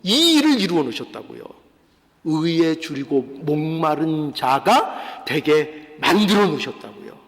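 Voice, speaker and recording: A man's voice: on the high side, long reverb tail. A male pastor giving a fervent sermon, pleading and urging his congregation. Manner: fervent preaching, voicing God's pleas in quotes. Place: church sanctuary.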